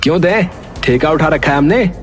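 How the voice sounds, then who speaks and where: A man plays a defiant young villager in a cartoon moral story. He is blunt and smirking, with lively intonation over clearly audible music. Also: fairly high pitch, normal speed, close to an everyday voice. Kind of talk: acted moral story dialogue.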